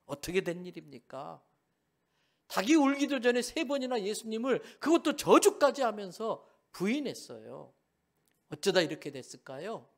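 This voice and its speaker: A male pastor preaching in a church sanctuary, with a high voice that swoops up and down a lot. He tells the story vividly and keeps quizzing the congregation. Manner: animated storytelling, asks the congregation questions. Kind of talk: sermon.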